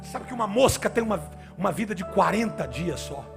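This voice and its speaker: High-voiced fervent preacher man, gravelly. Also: animated, fairly quick, music in the background. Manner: fervent sing-song preaching. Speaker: pastor. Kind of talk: sermon. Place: church service.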